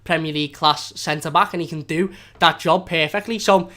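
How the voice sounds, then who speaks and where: A man's voice: a little high, fairly even intonation, fairly quick, pushed and bright. A young man with a strong Scouse accent, hosting a fan channel live stream in casual, rambling chat with frequent restarts. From Liverpool area of England.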